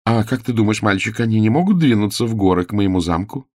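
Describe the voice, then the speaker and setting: A man's voice: fairly low pitch, animated, quick pace, a little mellow, no echo, clean studio sound, pitched above the performer's own voice. A man voicing a beautiful, melodious noble lady in a storybook reading, sweet-sounding but cruel underneath. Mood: sweetly coaxing. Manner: sing-song and coaxing. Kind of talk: audiobook character reading.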